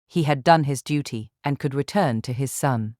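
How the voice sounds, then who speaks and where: A woman's voice: extremely low pitch, moderate pace, a little mellow, no echo, studio quality. A woman reading scripted literary narration for an audiobook.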